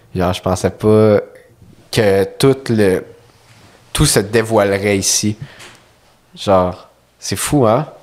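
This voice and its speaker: With a Quebec accent, a man speaks at a very slow pace with long, frequent pauses, a fairly low pitch and ordinary pitch variation. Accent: Québécois French. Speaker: comedy podcast host. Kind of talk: comedic improv interview.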